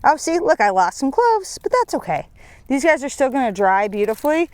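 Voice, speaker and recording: A woman's voice: high-pitched, big pitch swings, fairly quick, dry recording. Upbeat woman giving a gardening tutorial. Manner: chatty, self-deprecating, upbeat. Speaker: seed company gardener. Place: outdoors on a farm.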